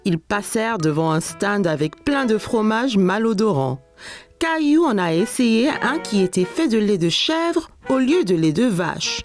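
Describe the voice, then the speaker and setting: A woman playing a gentle storyteller who narrates a children's cartoon in scripted storybook style. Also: mid-range voice, very animated, a little slow, faint music behind. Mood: storytelling. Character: gentle storyteller narrating a small boy's day.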